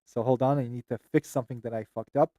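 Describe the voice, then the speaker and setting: A man's voice: medium pitch, fairly even intonation, fast, dark tone, dry recording, studio quality. A man hosting a casual stream chat, often distracted and muttering to himself while he fixes his screen. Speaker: streamer host.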